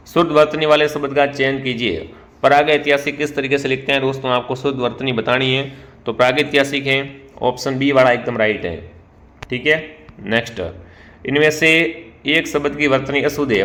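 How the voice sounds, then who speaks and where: A man's voice: mid-range voice, fairly bright tone. A man with a Rajasthani Hindi accent teaching an online spelling quiz. He asks each question, calls out to the viewers, and then answers it himself. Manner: keeps calling out to the viewers as friends. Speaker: online exam-prep teacher.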